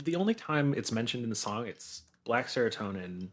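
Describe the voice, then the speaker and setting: A man's voice: medium pitch, very animated, brisk. A man guesting on a podcast, chatting informally and giving joking opinions. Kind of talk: casual chat, discussing song lyrics.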